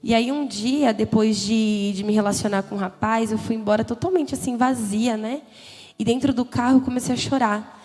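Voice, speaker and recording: Higher-voiced young woman, echoing hall. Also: fairly even intonation, normal speed. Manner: candid, conversational, emotional, frequent "né?" tags. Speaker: testimony speaker. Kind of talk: personal testimony at a church youth congress. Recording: long hall reverb with faint music. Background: soft background music.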